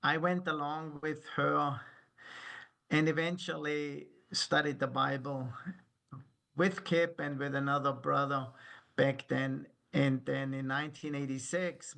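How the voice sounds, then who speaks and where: A man in his sixties with a German accent, a guest telling his story slowly and thoughtfully over a video call. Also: medium pitch, level tone, gravelly, sharp tone. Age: 60s. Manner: slow, reflective storytelling with laughs at himself.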